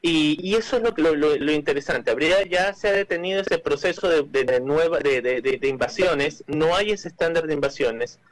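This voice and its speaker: Hesitant, higher-voiced Ecuadorian man. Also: expressive, normal speed, hardly any pauses, rough recording. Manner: hesitant, repeats words and restarts often with many "eh" fillers. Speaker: cultural manager, interview guest. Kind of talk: explanatory interview answers.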